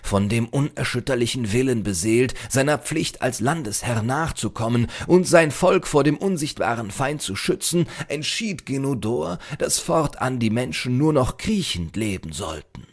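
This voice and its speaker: A man's voice: mid-range voice, animated, normal speed, few pauses, pitched above the performer's own voice. A man voicing a preachy, self-certain old librarian in a storybook, with a pompous, archaic, lecturing manner. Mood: grandly lecturing.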